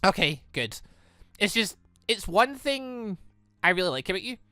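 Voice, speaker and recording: A gaming YouTuber reading out the part of an excitable, eager young woman in a visual novel, flustered and gushing, with music behind. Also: medium pitch, moderate pace, dry recording.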